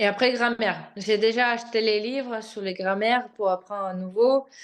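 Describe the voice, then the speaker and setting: With a fairly high voice, a woman lets her pitch move in an ordinary way. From Eastern Europe.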